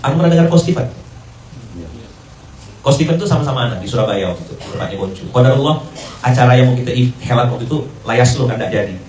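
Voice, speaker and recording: A man's voice: mid-range voice, background noise. A man preacher giving a conversational morning sermon, telling a story, acting out the quoted dialogue and mixing in Arabic and English phrases. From Indonesia. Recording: roomy, distant mic with faint ambience.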